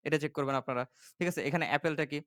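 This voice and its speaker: A man's voice: fairly high pitch, fairly even intonation, racing, fairly bright tone, clear, resonant tone, no room sound, clean studio sound. A man tutoring English grammar step by step, often checking that listeners follow. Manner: explains step by step, often asking "ঠিক আছে?" to check understanding. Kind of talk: classroom-style grammar lesson.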